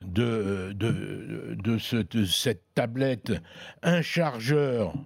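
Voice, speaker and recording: A man chatting casually on a radio tech show, reviewing gadgets in an unhurried way with many hesitations. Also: on the low side, gravelly, no echo, clean studio sound.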